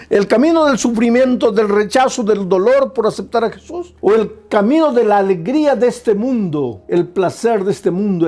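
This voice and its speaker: A man's voice: high voice, mellow. A male pastor preaching a sermon in a repetitive cadence, with piled-up phrases and rhetorical questions.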